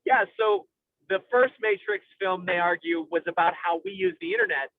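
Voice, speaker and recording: Higher-voiced man, tinny phone-like sound. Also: normal speed, no echo. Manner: intellectual, academic vocabulary. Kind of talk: analytical film discussion, conversational.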